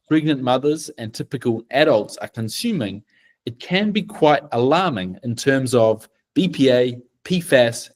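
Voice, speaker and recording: Slow-spoken man with a New Zealand accent. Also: mid-range voice, a little mellow. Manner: deliberate, measured delivery. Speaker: team presenter. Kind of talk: slow project presentation.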